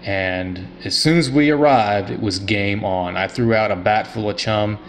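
A man's voice: on the low side, a little slow, slight background noise. A man in his thirties hosting a fishing show, talking casually and upbeat about his catches. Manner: upbeat, plainspoken angler talk. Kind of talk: casual fishing vlog narration. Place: outdoors on a boat on open water.

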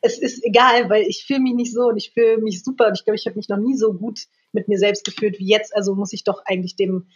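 A woman's voice: mid-range voice, fairly even intonation, fast talker, hardly any pauses, slightly rough, muffled recording. A woman in her thirties, a guest on a podcast, talking at length and laughing often. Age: 30s. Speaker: guest, presenter and author. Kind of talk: casual interview.

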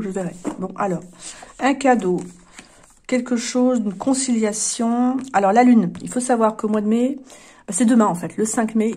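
A woman's voice: medium pitch, mellow. Chatty woman doing a tarot reading. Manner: talkative, emphatic, repeats words for stress; often clears her throat and coughs. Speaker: tarot card reader. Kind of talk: casual chatty card-reading vlog.

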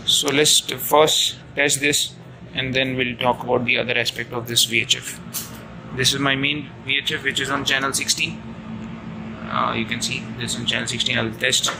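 A man talks through a hands-on demonstration in a creaky, fairly monotone voice. He goes haltingly, often restating his phrases. The amateur phone recording has clear room noise behind him. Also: mid-range voice. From India. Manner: halting, repeats and rephrases himself. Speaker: ship officer giving an equipment tutorial. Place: indoors at a chart table aboard ship. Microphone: handheld phone camera mic. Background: steady room noise.

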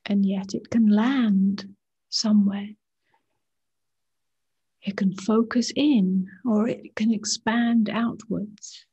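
Female meditation guide: very breathy, mellow, hushed and calming, on a slightly dull recording. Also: medium pitch. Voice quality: soft, breathy, often near a whisper. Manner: unhurried short phrases, hushed, calming. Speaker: meditation teacher. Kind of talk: guided meditation, slow and gentle with long pauses.

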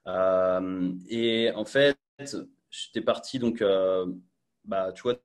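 A man's voice: low-pitched, steady tone, takes it slowly. Chatty young man on a video call. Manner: chatty, full of fillers and restarts. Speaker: guest. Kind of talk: casual video-call interview. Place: small bright room indoors. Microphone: earphone mic on a video call.

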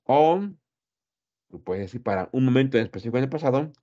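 A man's voice: medium pitch, animated, quick pace, warm tone, dull audio. A man teaching English grammar in Spanish, who explains patiently and drills pronunciation by repeating each word several times.

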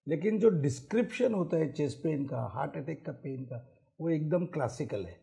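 A man's voice: on the high side, expressive, normal speed, creaky, warm tone. A middle-aged man, a cardiologist, giving explanatory answers in a TV studio interview and mixing English phrases into his speech. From Mumbai. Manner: mixes English phrases into Hindi, lists symptoms and risks. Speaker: cardiologist guest. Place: TV studio set.

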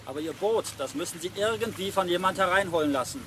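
An actor playing a helpful, measured, matter-of-fact rescuer in a children's audio play. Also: male voice, sits high, expressive, fairly bright tone. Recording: faintly noisy old cassette recording.

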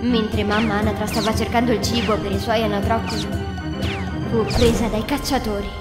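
A woman's voice: mid-range voice, level tone, normal speed. A woman narrating a scripted fairy tale for children. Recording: reverberant, loud music behind.

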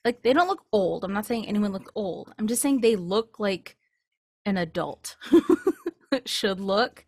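A woman's voice: medium pitch, lively intonation, a little slow, darkish tone, slightly rough. American girl late 20s, casual podcast chat, close mic, no room echo. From California, United States. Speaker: podcast co-host. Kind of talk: casual chat, personal anecdotes. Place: small indoor home recording setup. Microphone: close studio mic with pop filter.

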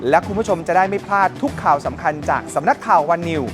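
Man, scripted outro, upbeat, animated intonation, music behind. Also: sits high, fast. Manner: polite, upbeat call to subscribe. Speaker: channel announcer.

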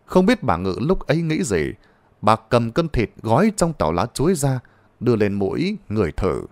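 A man's voice: medium pitch, sing-song, moderate pace, no room sound. A man narrating a ghost story in a dramatic, suspenseful manner.

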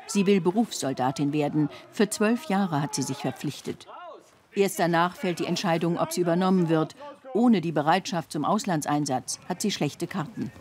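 A woman's voice: on the low side, moderate pace, a little mellow. A woman reading scripted narration for a television documentary report.

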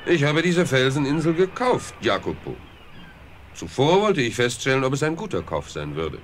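An actor playing a mysterious count, also disguised as a priest, who speaks in a measured, polite and controlled way in a radio play. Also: male voice, medium pitch, big pitch swings, slight background noise, natural voice. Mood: warm, guarded.

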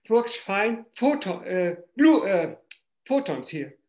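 A man's voice: sits high, big pitch swings, slow pace, darkish tone. Terse man with short remarks in a roomy call. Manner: terse, repetitive remarks with "here" and "right?". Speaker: audience member asking questions. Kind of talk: questions during a video colloquium. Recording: roomy video call audio.

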